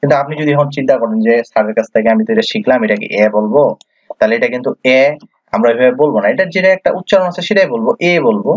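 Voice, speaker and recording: Guy teaching kids letter sounds, slow and repetitive, flat dull dry recording. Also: medium pitch, no echo. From Bangladesh. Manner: patient, repetitive, asks and answers his own questions. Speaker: English reading teacher. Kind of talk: classroom lesson, spelling out letters.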